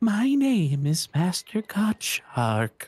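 A female-sounding, put-on character voice at a medium pitch takes on a pompous tone. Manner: creepy, pompous.

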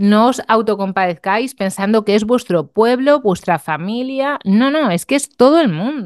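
In a plain, everyday voice, a woman speaks at a fairly high pitch with lively intonation, keeping a fairly slow pace with hardly any pauses. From Galicia, Spain. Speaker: nutritionist, YouTuber. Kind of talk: casual commentary video.

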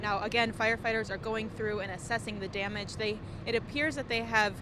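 Fairly even intonation comes through dry sound with no echo, with noticeable background noise behind it. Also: woman, fairly quick pace. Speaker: TV field reporter. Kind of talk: live news report. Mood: serious, measured. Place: street. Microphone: handheld.

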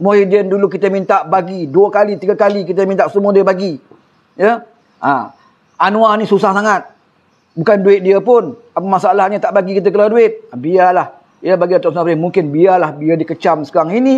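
A man's high-pitched, animated voice at a moderate pace with ordinary pitch variation. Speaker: political commentary livestreamer; political commentator. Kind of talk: casual live-stream commentary. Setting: office. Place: home room. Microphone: phone near.

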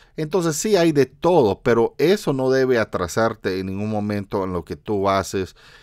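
Against a quiet background, the speaker goes at a fairly slow pace. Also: man. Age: 40s. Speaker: YouTuber; YouTuber, streamer. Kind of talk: casual vlog monologue; casual vlog chat. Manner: halting, many fillers. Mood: earnest, motivational. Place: home room. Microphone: webcam.

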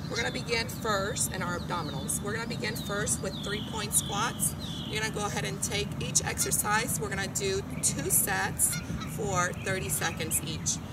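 Loud background noise surrounds an upbeat tone delivered at a moderate pace. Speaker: fitness instructor. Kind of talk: guided group workout class. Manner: brisk, commanding, cueing with countdowns; encouraging, upbeat. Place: open country.

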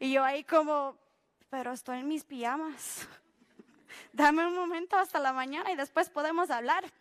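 Animated woman at a high pitch with ordinary pitch variation, moderate pace, quiet background. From Puerto Rico. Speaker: marine biologist and science communicator. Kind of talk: conference talk to an audience. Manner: animated, humorous. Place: hall.

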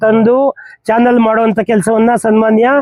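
A man speaks at an extremely high pitch with monotone, flat intonation. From Sira taluk, Tumkur district, Karnataka. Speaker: politician. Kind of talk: public speech.

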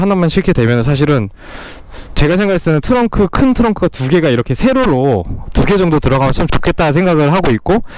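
Noticeable background noise surrounds a man speaking at a very fast pace. His pitch is high, with very wide swings. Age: 30s. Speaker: office worker, car owner. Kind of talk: interview answer.

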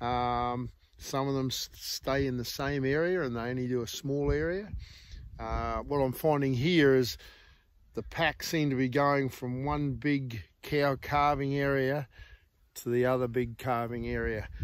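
A man speaks at a fairly slow pace with fairly even intonation, the sound dry and free of echo. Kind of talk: casual vlog chat. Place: open country. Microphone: phone near.

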